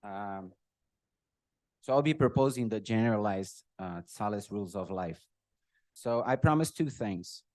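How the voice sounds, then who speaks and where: A man's voice: on the low side, expressive, unhurried, pauses often, a little mellow, no room sound. Emotional middle-aged man. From Brazil. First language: Portuguese. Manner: emotional, often clears his throat, self-deprecating humor. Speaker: speaker at a birthday tribute. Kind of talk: personal tribute speech with jokes.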